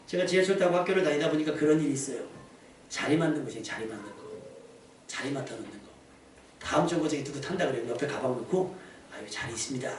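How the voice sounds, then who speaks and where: A man preaching to his congregation in a church sanctuary, his voice pitched high and lively as he acts out the people he tells about. The sound is very echoey, picked up from some way off the mic, with a faint hiss behind. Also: quick pace, far from the mic. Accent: Korean. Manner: animated preaching, acting out quoted voices. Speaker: pastor. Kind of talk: sermon.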